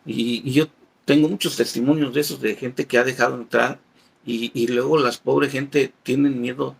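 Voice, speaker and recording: A man's voice: medium pitch, fairly even intonation, moderate pace, creaky, breathy edge. A man teaching a Bible class as a catechist, reading passages aloud and explaining them patiently with everyday examples.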